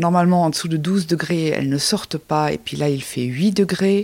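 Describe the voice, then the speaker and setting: Here a woman has a plain, everyday voice, pitched fairly low, with lively intonation. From Germany. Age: 50s. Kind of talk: casual chat. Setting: outdoors.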